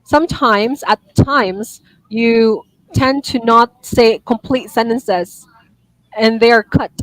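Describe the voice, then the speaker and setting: A woman gives one-on-one IELTS feedback over a video call, her voice on the higher side. She corrects gently, laughs easily and apologizes for her own slips. The sound is dry and close to the mic. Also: takes it slowly, dry recording, rough recording. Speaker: IELTS speaking teacher. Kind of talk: online one-on-one lesson feedback.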